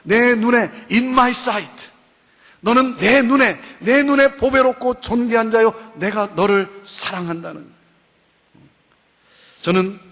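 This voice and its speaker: A woman giving a preaching lecture at a Christian seminar, emphatic, repeating key phrases and asking rhetorical questions. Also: medium pitch. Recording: long reverb from a hall.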